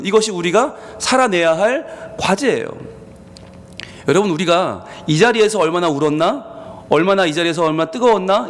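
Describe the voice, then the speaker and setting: A man preaching a sermon as pastor, conversational and lively, often acting out what people say. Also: extremely high pitch.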